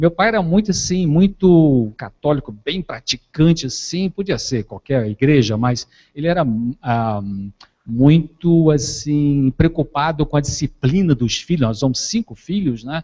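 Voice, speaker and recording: With lively intonation and a fairly high pitch, a man uses an ordinary speaking voice at a fairly slow pace. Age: 60s. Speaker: psychiatrist and lecturer. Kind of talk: lecture. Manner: conversational, informal.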